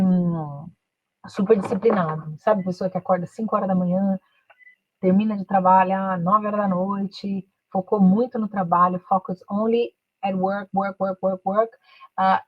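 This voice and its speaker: A woman, giving a career coaching talk on a live stream and switching into slow English, with frequent "né" and "ok" tags. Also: mid-range voice, no echo, lo-fi sound. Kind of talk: live online talk, mixing Portuguese and English.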